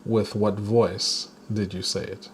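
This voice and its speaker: A man giving a guided spiritual lesson, talking slowly and deliberately and chuckling now and then. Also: on the low side, flat delivery, slight background noise. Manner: slow, deliberate, with playful chuckles. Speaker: spiritual teacher.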